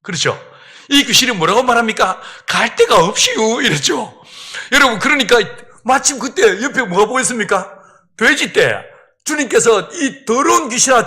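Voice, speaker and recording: A middle-aged man preaching a revival sermon in church, telling a personal story and acting out the voices in it. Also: very high-pitched. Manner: lively storyteller who acts out voices and laughs. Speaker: pastor. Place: church sanctuary.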